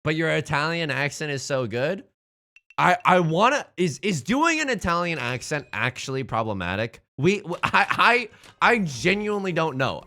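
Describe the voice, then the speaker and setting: Animated guy streamer chatting w chat, bright voice, bit of music playing low behind. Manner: animated and jokey, with frequent restarts and repeated words. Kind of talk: casual chat with stream viewers.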